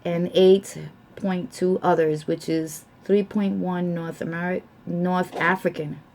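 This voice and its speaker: A young adult woman from the United States, chatting casually to camera and reading out her results slowly, with many fillers. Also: on the low side, flat delivery, a little mellow, slight background noise. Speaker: vlogger.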